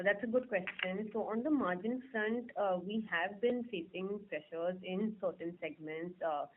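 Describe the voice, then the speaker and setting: A man's voice: high voice, slight background noise. Hesitant male executive over phone line. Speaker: company executive answering questions. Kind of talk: unscripted formal business answer. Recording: narrow, muffled phone conference line.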